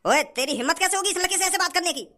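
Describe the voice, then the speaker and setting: A man's voice: extremely high pitch, expressive, rapid-fire, pushed and bright, full character voice. A man voicing a brash, rich young man who scolds a shopkeeper and boasts. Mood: scolding. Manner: swaggering, scolding.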